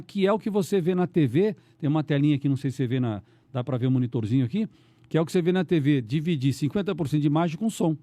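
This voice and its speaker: A middle-aged Brazilian man, a radio announcer, chatting on a podcast in a rambling, animated way with many restarts. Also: on the high side, dry recording. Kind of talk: casual podcast conversation.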